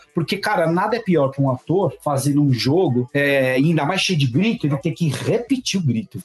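Over noticeable background noise, a man talks at a moderate pace with hardly any pauses, his fairly high voice keeping very even loudness and lively intonation. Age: 40s. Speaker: video game localization director. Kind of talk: casual chat.

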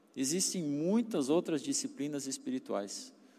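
Speaking with a German accent, a man uses a high pitch, very wide pitch swings, and a dark, mellow tone at a fairly slow pace. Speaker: pastor. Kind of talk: sermon. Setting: church service.

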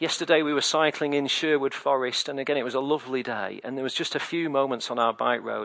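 This man has a northern English accent and a medium pitch. His tone is bright and sharp, with ordinary pitch variation. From northern England, Morecambe. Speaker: church worship service leader. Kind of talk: church service hosting and prayer. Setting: church.

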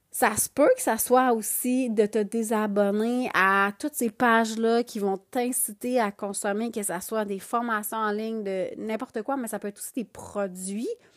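A woman with an ordinary speaking voice, fairly high pitch and fairly even intonation, at a fairly slow pace with hardly any pauses, big swings in loudness, and a dry, close sound with no echo. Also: very clean recording, silent background. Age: 40s. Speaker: life coach and podcast host. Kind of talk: solo podcast monologue. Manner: casual, conversational.

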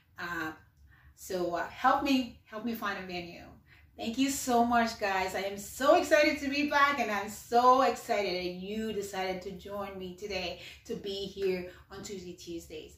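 A woman's animated voice with lively intonation and big swings in loudness, plus audible room echo and noticeable background noise. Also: medium pitch for a woman, moderate pace. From Liberia, West Africa. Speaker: online show host and nurse. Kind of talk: casual motivational monologue.

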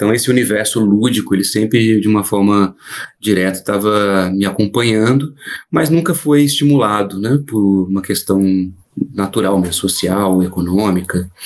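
The voice keeps a moderate pace, ordinary pitch variation and very even loudness. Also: man, fairly low pitch for a man. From Brazil, São Paulo. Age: 40s. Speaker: film director. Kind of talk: interview. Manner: halting, with repetitions.

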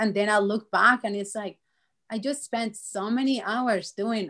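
A fairly high-pitched woman's voice in a Colombian accent, on a very clean recording with a silent background. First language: Spanish. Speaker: cancer survivor. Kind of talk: interview conversation.

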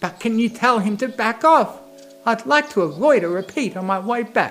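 Putting on a character voice, a man growls at an extremely high pitch with lively intonation and a moderate pace while faint music plays in the background. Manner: half growled, irritated.

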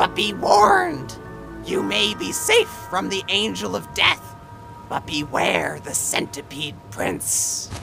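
A woman's put-on character voice, medium in pitch and slow, with a bright, sharp tone, vocal fry, big pitch swings and faint music in the background.

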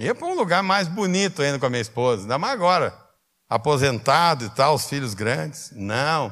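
With a southern Brazilian accent, a man speaks at a moderate pace in a fairly high pitch, his pitch swinging very widely. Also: very clean recording, silent background. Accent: gaúcho Brazilian Portuguese. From southern Brazil, Porto Alegre area. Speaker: pastor. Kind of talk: sermon.

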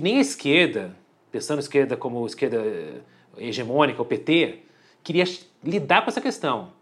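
A man's fairly high-pitched voice, with very wide pitch swings and long, frequent pauses. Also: moderate pace. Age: 40s. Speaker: journalist. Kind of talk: interview.

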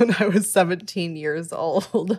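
The recording is very clean, with a silent background. A normal speaking voice with an American accent shows ordinary pitch variation. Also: woman. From US. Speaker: podcast host. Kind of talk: interview conversation.

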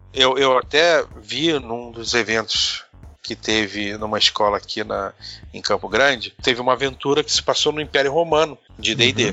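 A man's medium-pitched voice with ordinary pitch variation, music in the background. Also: moderate pace. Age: 40s. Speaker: tabletop RPG game master and writer. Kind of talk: casual chat.

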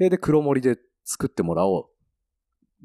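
A man with a dark, mellow tone makes very wide pitch swings, his voice dry and close with no echo against a quiet background. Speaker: amateur cyclocross racer. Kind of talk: casual chat.

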